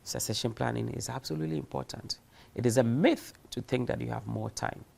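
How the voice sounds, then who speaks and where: This recorded distance-learning lecture comes from a man with a medium-pitched, creaky, darkish voice who talks a little fast. He lectures emphatically, throwing out rhetorical questions and acting out examples.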